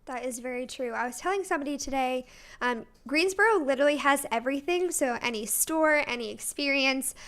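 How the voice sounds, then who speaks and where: A woman's voice: sits high, fairly quick, fairly bright tone. A young woman moderating a student panel on a video call live stream, chatty and friendly with some fillers. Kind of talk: casual live stream hosting.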